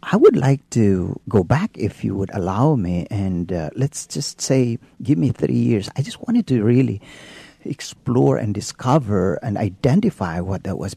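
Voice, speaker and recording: A man with a Filipino accent, a Catholic priest telling his life story in an interview, unhurried and halting with many pauses and restarts. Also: mid-range voice, creaky, mellow, slightly rough, dry recording. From Philippines. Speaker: Catholic priest, hospital spiritual care director.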